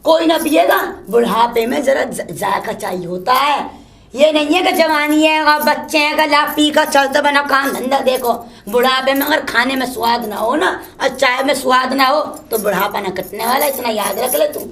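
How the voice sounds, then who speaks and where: A woman's voice: normal speed, creaky, a bit bright. A woman playing a scolding old mother-in-law who curses and complains nonstop. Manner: shrill, cursing, complaining nonstop. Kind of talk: solo comedy sketch.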